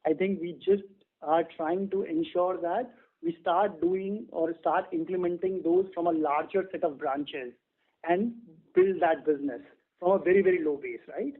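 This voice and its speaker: A man's voice: on the high side, normal speed. An Indian man explaining figures as a bank executive on an earnings call, checking his points as he goes. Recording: muffled band-limited conference phone line.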